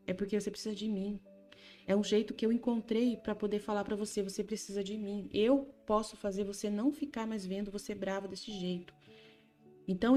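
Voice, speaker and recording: A woman speaking as Jesus, a gentle male divine figure, in a tender, reassuring way with her own voice. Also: medium pitch, natural voice. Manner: tender, reassuring, addresses listener by name.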